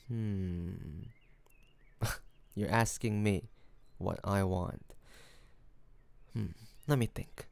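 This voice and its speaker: A man playing a charming, hospitable mafia boss in an intimate audio roleplay, talking in a relaxed, playful, teasing way to one listener. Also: lowish voice, creaky, dry recording, exaggerated voice. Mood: flirty, teasing. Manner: relaxed, playful storytelling with frequent soft chuckles.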